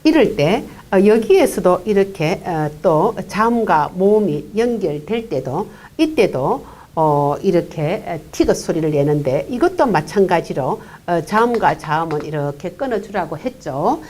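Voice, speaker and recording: Woman, English pronunciation teacher. Low, dark voice with a lively melody. Patient lecturing with many fillers. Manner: unhurried explaining with frequent "uh" fillers; quietly voices single consonant sounds. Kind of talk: classroom-style pronunciation lecture.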